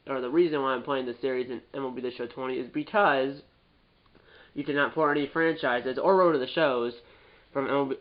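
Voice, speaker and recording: A man's voice: mid-range voice, dull audio. A man with a stuffed-up nose from a cold, giving casual, rambling gameplay commentary and often repeating and correcting himself. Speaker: gaming YouTuber.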